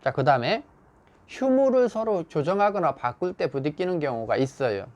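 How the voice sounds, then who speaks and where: A man's voice: fairly high pitch, big pitch swings, moderate pace, a little mellow, dull audio. A man lecturing on how to phrase things to workplace staff, explaining patiently and then acting out example lines in a raised voice. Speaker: salon staff communication instructor.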